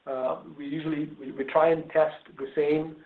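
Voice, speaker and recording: A man speaking as a company executive, answering questions on an earnings call with frequent ums and pauses. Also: a little high, flat delivery. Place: conference call. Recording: narrow phone-like line, roomy echo.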